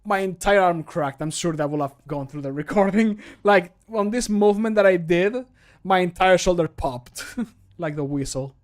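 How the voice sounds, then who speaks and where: A man in his thirties, a streamer and mod voice actor, jokes around and mocks himself during casual livestream chat while recording, sitting close to the microphone in a small room at home. His voice sits high, and he talks at normal speed.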